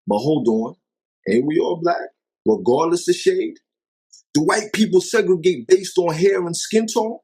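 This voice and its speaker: A man's voice: a little high, unhurried, a little mellow, husky. A man vlogging an impassioned commentary monologue, emphatic and exasperated, firing off rhetorical questions.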